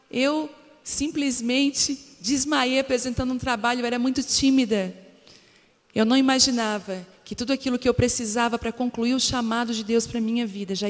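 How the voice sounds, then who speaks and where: Female pastor preaching, reverberant hall. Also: a little high. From Brazil. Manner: preaching to women with personal stories, addressing the congregation directly. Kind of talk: sermon. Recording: long hall reverb with faint music.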